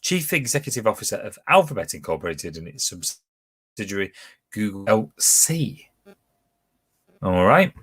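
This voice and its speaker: A man's voice: fairly low pitch, sing-song, normal speed, pauses often, a bit bright, slightly rough. A man hosting a pub quiz from home, chatting casually as he reads out questions, answer options and team scores. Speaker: quiz host.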